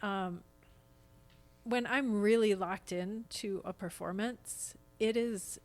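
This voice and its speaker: An American woman talking casually as an interview guest, earnest and expressive. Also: mid-range voice, slow pace, faint music behind. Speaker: podcast guest, stage actress.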